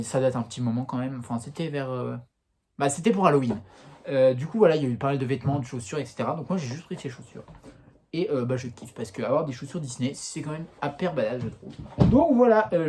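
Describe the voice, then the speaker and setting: A young man talks his way through a casual vlog, chatty and full of slang, with lots of little fillers. His voice is mellow and warm, and his pitch jumps up and down as he talks. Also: slight background noise. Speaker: YouTuber. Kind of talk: casual vlog, showing off clothes.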